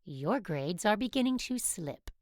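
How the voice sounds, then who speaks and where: Woman playing a stern, brisk Catholic nun teacher. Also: medium pitch, big pitch swings, a little mellow, dry recording, clean studio sound. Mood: stern, disapproving. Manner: measured, formal, admonishing. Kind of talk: audio drama acting.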